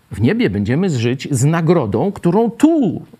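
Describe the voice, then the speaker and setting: A man with a fairly high pitch and a dark, mellow tone swings his pitch very widely. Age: 70s. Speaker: Bible study leader. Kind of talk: Bible study teaching. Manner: conversational.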